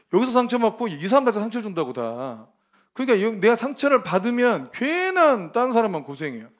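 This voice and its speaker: A man preaching a lively, informal sermon at a ministry training, emphatic and colloquial, often breaking into laughter. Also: sits high.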